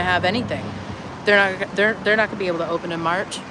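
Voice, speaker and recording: A woman with a Michigan accent, amid noticeable background noise and audible room echo. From Michigan, north of Detroit suburbs. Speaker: street protester livestreamer. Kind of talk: casual street livestream chat. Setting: outdoors on a street corner. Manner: animated.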